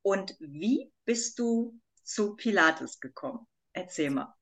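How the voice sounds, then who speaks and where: A woman's voice: mid-range voice, animated, takes it slowly. A woman hosting a podcast and working as a Pilates trainer, speaking in an enthusiastic, emphatic way and laughing easily. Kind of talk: casual interview chat.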